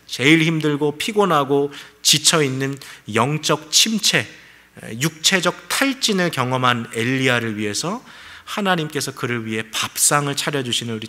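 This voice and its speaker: Bright-voiced man preaching conversationally. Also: medium pitch. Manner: conversational preaching with rhetorical questions. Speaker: pastor. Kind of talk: sermon.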